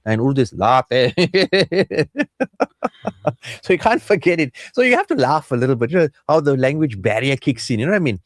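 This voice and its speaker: A man's voice: mid-range voice, sing-song, moderate pace, no echo, studio quality. A man with a South African Indian accent chatting casually as a radio host and counsellor, playful and rambling. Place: radio studio.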